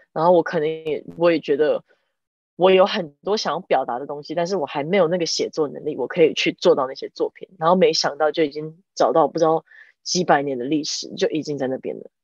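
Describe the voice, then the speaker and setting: A woman's very deep, low voice at a fairly quick pace, with ordinary pitch variation and big swings in loudness, in a dry, close recording with no echo and a quiet background. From Taiwan. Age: 30s. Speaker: jazz and tango singer. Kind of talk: casual chat.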